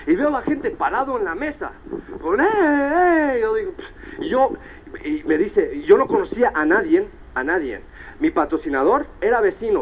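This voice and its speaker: A man giving a lively motivational seminar talk, telling stories, asking his audience rhetorical questions and dropping English tags into his speech. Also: high voice, breathy edge. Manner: animated storyteller who sprinkles English tags into his Spanish. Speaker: business trainer speaking to a seminar audience. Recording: dull 1990s cassette tape with faint hiss.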